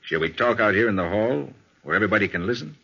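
An actor playing a confident, commanding private detective in a 1940s radio crime drama, brisk and authoritative. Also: male voice, fairly low pitch, animated, gravelly, bright, forceful tone, breathy edge, exaggerated voice. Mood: assured, probing. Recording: dull lo-fi 1940s radio recording.

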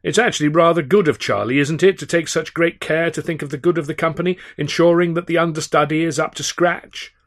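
A man's voice: on the high side, steady tone, fairly quick, few pauses, voice pushed up, close to an everyday voice. A man voicing a fawning, smarmy male actor who speaks in an ingratiating, prissy way.

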